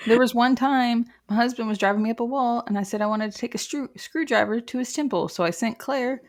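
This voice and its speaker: A woman's voice: on the high side, fairly quick, no room sound. A woman co-hosting a podcast in casual banter, dropping dry, teasing remarks. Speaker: podcast co-host reacting to the story.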